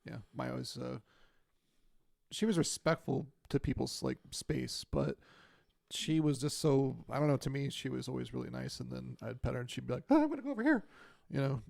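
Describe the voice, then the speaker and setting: A quiet, soft-spoken man chatting casually as a podcast co-host. His voice has a gravelly, creaky texture, and the sound is dry and close, with no room echo. He talks low-key and shy rather than loud. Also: little pitch movement, moderate pace. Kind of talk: casual chat. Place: home podcast studio.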